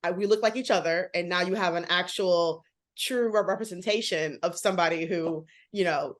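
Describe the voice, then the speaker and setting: A woman in her thirties chats as an interview guest. Her voice sits a little low, and she talks fast and animatedly with lots of "like" fillers. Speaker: guest, author and model. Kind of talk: casual interview talk.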